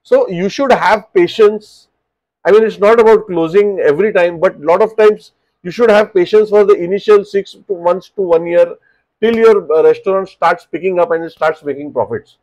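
A man in his thirties with an Indian English accent, giving business advice straight to camera in a small home office, animated and repeating words as he explains. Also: high voice, moderate pace, poor audio. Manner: animated, gestures with both hands, repeats words while explaining. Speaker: restaurant business coach. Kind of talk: direct-to-camera advice talk.

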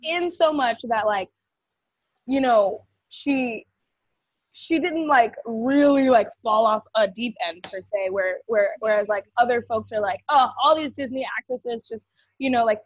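A woman's voice: on the high side, measured pace, dry recording. A young woman co-hosting a casual video call chat, rambling with many fillers. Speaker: co-host. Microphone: webcam on video call. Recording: dull, dry webcam audio.

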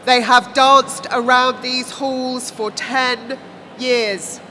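A woman voicing a grave, grieving queen, measured, deliberate and coolly intent, in an audiobook. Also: on the high side, lively intonation, pushed and bright, long reverb tail, a little hiss or hum, heavily acted. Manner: slow, deliberate.

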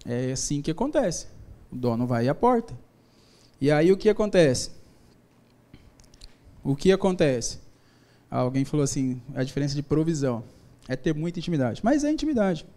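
A man's voice: a little high, very animated, normal speed, long pauses, mellow. A man giving a live motivational talk to an audience, informal and joking, mixing faith, business stories and slang. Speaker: business speaker. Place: event stage before an audience.

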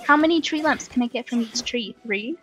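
A woman's voice: fairly high pitch, a little fast, fairly bright tone, faint music behind. A woman chatting casually as she plays a game, thinking aloud with playful exclamations and muttering to herself. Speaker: let's play host.

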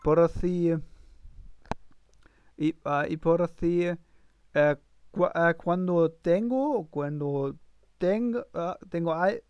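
A man live-streaming his language practice, speaking haltingly with constant fillers and restarts. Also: on the high side, clean tone, dry recording.

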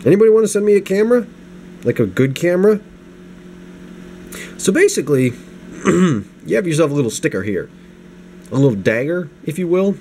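This young man's voice sits on the high side and sounds mellow yet very animated, moving fairly quickly with long pauses. Still getting over the flu, sniffly and low-energy, he casually rambles through an unscripted knife review at his home desk, restarting and poking fun at himself. A space heater hums near the camera mic, which frames only his hands.

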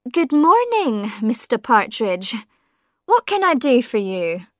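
A woman's voice: on the high side, very animated, takes it slowly, fairly bright tone, dry recording, clean studio sound, heavily acted. A woman voicing an impatient, dismissive police sergeant in a storybook reading. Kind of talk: audiobook character voice.

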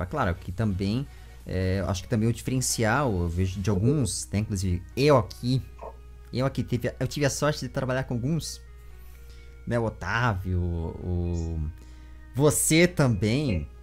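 A Brazilian man in his twenties hosting a casual interview, speaking in a halting, rambling way into a close desk microphone. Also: fairly low pitch, animated, darkish tone, faint music behind. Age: 20s. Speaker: interview host. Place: small home room with bookshelves, indoors. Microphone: large desk microphone with foam cover, close.

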